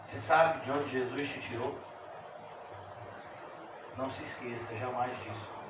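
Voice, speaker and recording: A male pastor preaching a sermon, moving between soft, intimate asides and loud, fervent exclamations. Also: mid-range voice, steady tone, unhurried. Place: church. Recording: echoey church hall, voice from a distance, faint hiss.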